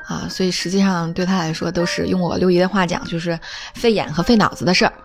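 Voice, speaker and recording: A woman telling family anecdotes in a casual, humorous way, with many drawn-out filler particles between phrases. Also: fairly low pitch, fairly even intonation, faint music behind. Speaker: storyteller recounting family anecdotes. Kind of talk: casual spoken storytelling.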